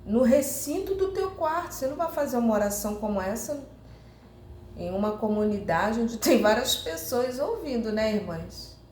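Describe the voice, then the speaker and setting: A woman's voice: fairly high pitch, sing-song, moderate pace, a little mellow. A Brazilian woman preaching earnestly, often addressing her sisters and acting out heartfelt prayers. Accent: Brazilian Portuguese. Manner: earnest, repeating "irmãs" often; acts out heartfelt prayers to the Lord. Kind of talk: sermon. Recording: roomy echo, faint noise.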